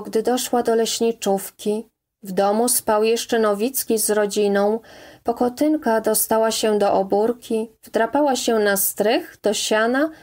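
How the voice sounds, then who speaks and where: A woman narrating an audiobook in a measured, calm reading. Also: fairly high pitch. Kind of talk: scripted narration.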